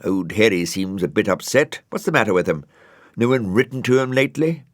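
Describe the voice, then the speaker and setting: A man's voice: fairly low pitch, animated, brisk, no room sound, studio quality, voice pushed up, close to an everyday voice. A man voicing a chirpy, cheeky snail in a storybook reading, chatty and jaunty. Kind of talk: storybook character voice.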